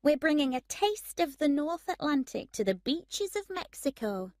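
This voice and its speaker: A woman's voice: sits high, sing-song, normal speed, a little mellow, no echo, pitched above the performer's own voice. A woman reading the lines of a tired young waitress with a dry, weary wit. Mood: wry. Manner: weary, questioning.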